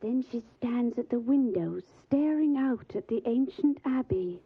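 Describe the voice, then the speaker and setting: A woman's voice: fairly high pitch, animated, a little slow, slightly rough, full character voice. An actress playing an earnest, caring young Victorian lady in an audio drama, with a proper and solicitous manner. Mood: anxious narration. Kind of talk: audio drama acting and diary narration. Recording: phone-like, faintly noisy audio.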